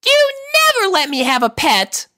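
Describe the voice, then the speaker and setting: A woman voicing an excitable, stubborn little unicorn filly from a cartoon story, with a whiny, insistent way of begging. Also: sits high, moderate pace, pitched above the performer's own voice, exaggerated voice. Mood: indignant, upset.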